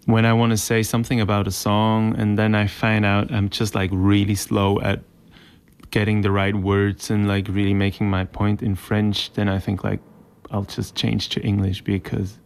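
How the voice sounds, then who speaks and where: A Swiss German-speaking man, a musician, answering interview questions in a halting, casual way with many restarts. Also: on the low side, monotone, smooth. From Switzerland. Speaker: musician guest.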